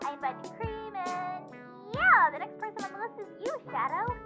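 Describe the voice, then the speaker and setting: Perky young female hedgehog: extremely high, animated, expressive and caring cartoon voice over music. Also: normal speed. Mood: cheerful, chatty. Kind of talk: animated fan audio drama acting. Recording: music under the voice. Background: background music.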